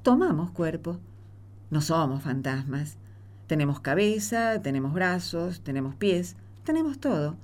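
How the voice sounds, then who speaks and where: A woman's voice: deep voice, big pitch swings, measured pace, a little mellow. An actress playing a defiant, earnest neighborhood woman in a radio play, insistent and emphatic. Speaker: actor in radio drama. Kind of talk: Spanish-language radio theatre acting.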